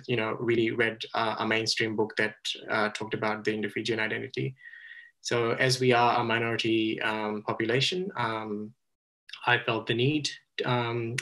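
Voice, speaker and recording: Fiji-raised man in his 30s, storybook reader on a webcam call, halting speaker, average pitch. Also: a bit bright, rough recording. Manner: hesitant, many ums while speaking freely. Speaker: children's book author. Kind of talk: reading aloud and casual talk. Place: small room at home, indoors. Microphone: laptop webcam video call.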